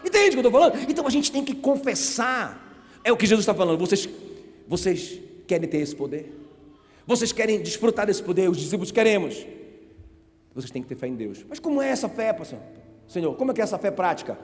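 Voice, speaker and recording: Emphatic pastor preaching in an echoing hall. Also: male voice, high voice, very animated, fast talker. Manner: emphatic, calls on the congregation to shout back; asks the crowd rhetorical questions. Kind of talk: sermon. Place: church sanctuary. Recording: reverberant church hall.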